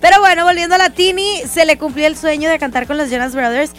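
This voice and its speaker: Mexican woman, slightly high voice, animated gossip co-host, faint music behind. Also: fast. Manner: chatty, animated, giggly. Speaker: show co-host. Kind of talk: casual celebrity gossip chat.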